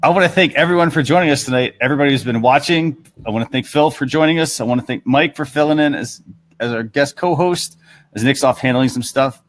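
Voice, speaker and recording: A man's voice: mid-range voice, quick pace. A man hosting a talk show in casual chat, with loose, hesitant phrasing full of "you know". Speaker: host of a marketing talk show.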